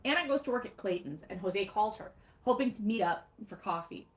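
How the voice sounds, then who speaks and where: A woman's voice: mid-range voice, expressive, brisk, roomy sound. A woman with a Michigan accent reading her own snarky book recap aloud on a livestream, wry and sarcastic, with laughs at her own jokes.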